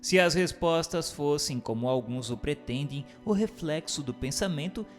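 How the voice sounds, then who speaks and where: Guy reading a book out loud, kinda high voice, formal teacherly delivery, really animated, music behind. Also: normal speed. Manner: formal, didactic. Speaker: narrator. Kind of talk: scripted reading of a book of questions and answers.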